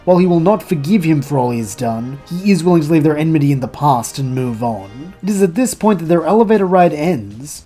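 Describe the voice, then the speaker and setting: Mellow, husky storyteller narrating a fan story. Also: medium pitch.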